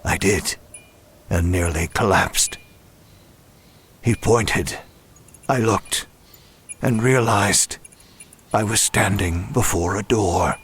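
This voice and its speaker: An actor playing a weary, tormented man who narrates his ordeal in a horror audio drama, grave and deliberate with halting pauses. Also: on the low side, a bit bright, husky, full character voice. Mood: grim, weary.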